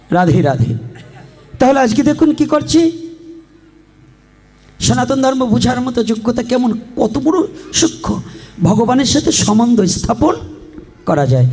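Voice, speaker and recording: A man's voice: sits high, a little mellow. A man with a Faridpur Bengali accent preaching a live devotional sermon, teasing the crowd with questions and breaking into chants. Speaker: Bhagavata preacher.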